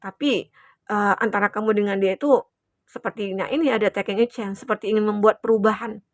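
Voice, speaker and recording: A woman's voice: mid-range voice, fairly even intonation, brisk, no room sound, clean studio sound. A young adult woman giving a chatty, reassuring collective tarot reading to her viewers, with many fillers. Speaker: tarot reader.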